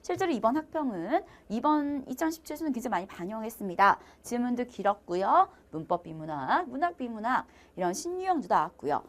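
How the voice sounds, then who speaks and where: A woman's voice: fairly high pitch, big pitch swings, a little fast, few pauses. A woman teaching exam prep who switches between polite speech and casual talk aimed at her students. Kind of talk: lively lecture promo talk to students.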